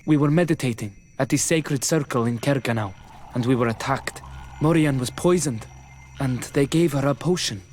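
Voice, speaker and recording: An actor playing a devout, earnest tribal villager in a video game, speaking formally and with heartfelt reverence. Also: male voice, medium pitch, normal speed, darkish tone, a little hiss or hum, close to an everyday voice. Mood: explanatory. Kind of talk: scripted video game acting.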